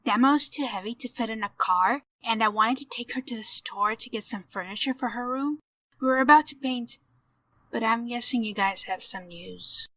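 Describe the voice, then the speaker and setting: A woman's voice: fairly high pitch, normal speed, pushed and bright, no echo, low-quality recording. A woman playing a practical, sceptical young woman in an audio drama, emphatic and easily incredulous. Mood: casual, friendly.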